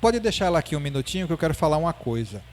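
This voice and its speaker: Man retelling a patient lady psychiatrist, gentle, coaxing, fairly high voice. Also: big pitch swings, very fast.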